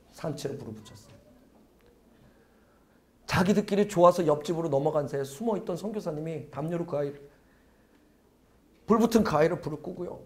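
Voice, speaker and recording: A middle-aged male pastor preaching a sermon, telling a story dramatically, swinging from loud urgency to a hushed near-whisper. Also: a little high.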